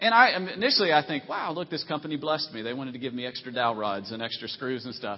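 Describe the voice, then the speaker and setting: Speaking very fast in a Southern US accent, a man of medium pitch shows ordinary pitch variation and big swings in loudness. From Tennessee. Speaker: visiting pastor. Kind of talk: guest sermon, building a teaching point on God's process and purpose. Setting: church stage with congregation. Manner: conversational and humorous, drawing laughs; earnest, steady preaching cadence with emphatic repetition.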